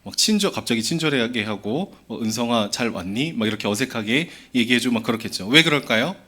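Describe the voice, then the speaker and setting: A male pastor giving a children's sermon, lively and full of questions to the children. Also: medium pitch, quick pace.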